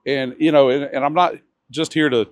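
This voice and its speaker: A man's voice: medium pitch, fairly even intonation, moderate pace, no echo. Man with a big voice, dry sound. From North Augusta, South Carolina. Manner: loud, hesitant with restarts, enthusiastic. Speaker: local business owner guest. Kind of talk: casual interview chat.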